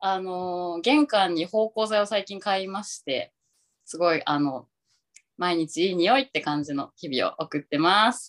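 A woman at a very slow pace, in a dry, close sound with no echo and a very clean recording with a silent background. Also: big swings in loudness. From Japan, Aichi. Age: 20s. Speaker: podcast host. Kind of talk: casual chat. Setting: live recording with audience. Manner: laughing often.

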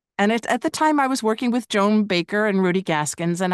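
The sound is dry and close, with no echo and a quiet background. A woman talks at a fairly quick pace. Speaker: medical narration voice actor and teacher. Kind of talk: casual chat. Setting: video podcast, drinking together.

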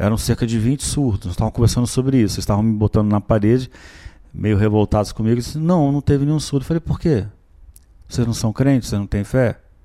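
A very fast-talking man with a dark, mellow tone, medium pitch and ordinary pitch variation. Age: 50s. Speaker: pastor and podcast host. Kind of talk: reflective discussion.

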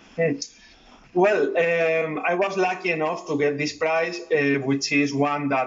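A man talks at a fairly slow pace with fairly even intonation. Audible room echo and noticeable background noise surround him. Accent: Spanish. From Spain, Madrid. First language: Spanish. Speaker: anthropologist, PhD student. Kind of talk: interview. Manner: halting.

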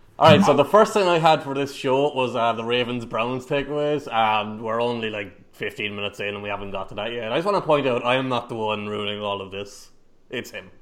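Very fast delivery with hardly any pauses and ordinary pitch variation. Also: man, medium pitch for a man. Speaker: podcast host. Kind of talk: casual banter about football and movies.

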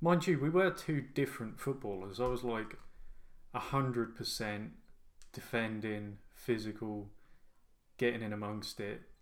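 With an English accent and lively intonation, a medium-pitched man talks at a fairly slow pace with long, frequent pauses. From England. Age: 30s. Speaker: football podcast co-host. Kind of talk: casual chat.

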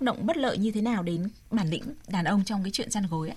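Somewhat breathy, a woman talks at a very fast pace with lively intonation. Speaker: radio host. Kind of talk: radio call-in show. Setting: studio. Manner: polite.

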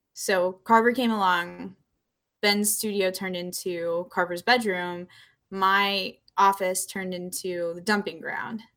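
Over a very clean recording with a silent background, a woman with an American accent speaks at a fairly slow pace and medium pitch, her intonation monotone and flat and her tone bright and sharp. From rural Western Pennsylvania. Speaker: podcast co-host, artist and small business owner. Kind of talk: casual chat.

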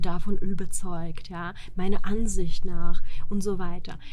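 A woman speaks at a medium pitch with fairly even intonation. Noticeable background noise and audible room echo are present. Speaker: German teacher and examiner. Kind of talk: interview.

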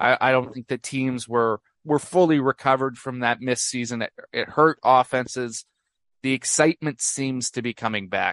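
In a normal speaking voice, a man talks at medium pitch and a moderate pace with fairly even intonation, the sound dry and close with no echo over a quiet background. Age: 20s. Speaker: football writer. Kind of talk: casual chat.

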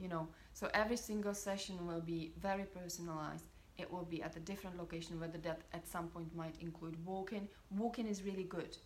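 Talking at a very fast pace, a woman with a Czech accent keeps a fairly low pitch and fairly even intonation amid noticeable background noise. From Czech Republic. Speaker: well-being coach. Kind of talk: casual interview chat.

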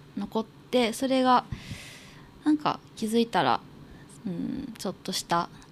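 Speaking at a fairly slow pace, a woman with a fairly high pitch leaves long, frequent pauses. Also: ordinary pitch variation. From Ehime, Japan (Hojo area near Matsuyama). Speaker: guesthouse manager. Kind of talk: casual chat.

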